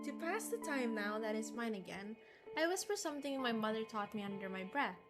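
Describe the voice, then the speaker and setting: A woman's voice: on the high side, animated, fairly quick. A woman game streamer reading visual novel narration aloud and commenting casually. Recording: music behind the voice. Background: game music.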